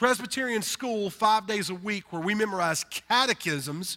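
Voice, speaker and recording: A man with a Southern US accent speaks in a raised, projected, animated voice, his high pitch and bright, sharp tone carrying ordinary pitch variation on a very clean recording with a silent background. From US Deep South. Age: 40s. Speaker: visiting preacher. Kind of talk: sermon. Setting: church. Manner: animated, humorous.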